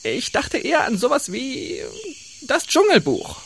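A woman's voice: sits high, measured pace, creaky, a little hiss or hum, heavily acted. A woman playing an imaginative, playful adventuring captain in a children's audio drama. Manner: lively, playful, storytelling.

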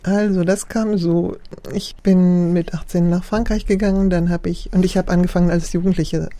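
Middle-aged woman author from germany, low mellow voice, thinks out loud with lots of restarts. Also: fairly even intonation, normal speed, no echo. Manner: reflective, hesitant, with restarts and soft laughs. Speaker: author and translator. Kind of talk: thoughtful interview answers.

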